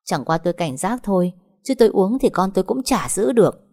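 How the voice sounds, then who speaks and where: A woman's voice: mid-range voice, expressive, brisk, warm tone. Brief: sneering young woman, voiced by the reader, icy scorn, storybook. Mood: scornful. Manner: cold, sneering.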